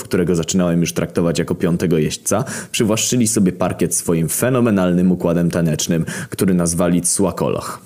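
A man's voice: deep voice, dark tone. A young man narrating a crude comedy story in a brash, profane, sardonic manner.

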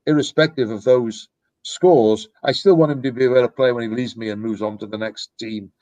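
A man's voice: mid-range voice, brisk, dark tone, dry recording, highs cut off. Brief: middle-aged male coach, reflective, meandering, dry close mic. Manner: reflective, rambling with restarts. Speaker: youth soccer coach, guest. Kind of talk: casual podcast conversation. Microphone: podcast microphone.

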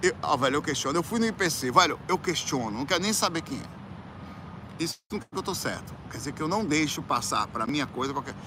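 Animated Brazilian man telling a story. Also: fairly high pitch, quick pace, background noise. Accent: Brazilian Portuguese. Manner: animated, colloquial, acts out quoted voices with sudden loud outbursts. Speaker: musician telling a personal story. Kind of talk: casual storytelling chat.

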